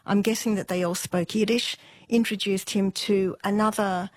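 A woman's voice: medium pitch, steady tone, no room sound. Woman telling a story, dry studio sound. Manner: unhurried, with fillers and soft laughs. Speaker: interview guest. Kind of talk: relaxed storytelling interview.

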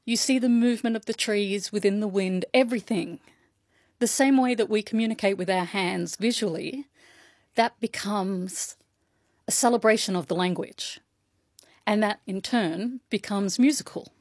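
Measured woman interpreter. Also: medium pitch, darkish tone, dry recording, clean studio sound. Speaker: sign language interpreter. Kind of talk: interpreting a deaf guest's answers.

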